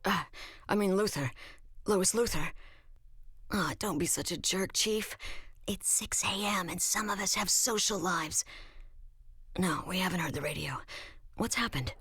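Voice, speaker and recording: A sardonic American woman reporter in a motion comic. Her voice is low, her delivery dry and wry. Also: a little slow, long pauses, fairly bright tone, husky, dry recording, heavily acted. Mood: sleepy, irritated.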